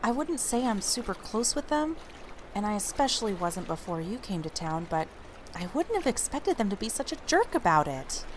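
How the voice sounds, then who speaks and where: A woman's voice: mid-range voice, very animated, moderate pace, slight background noise, lightly acted. A woman playing a feisty, blunt young woman, a protective best friend with a casual, sassy way of talking, in an audio drama. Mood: protective, indignant.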